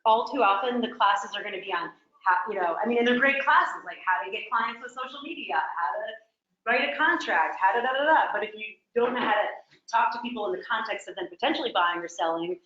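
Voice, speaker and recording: A woman's voice: on the high side, expressive, fast, sharp tone, roomy sound, muffled recording. A woman from New York teaching a live real estate workshop, chatty and quizzing her audience. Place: training room with a small audience.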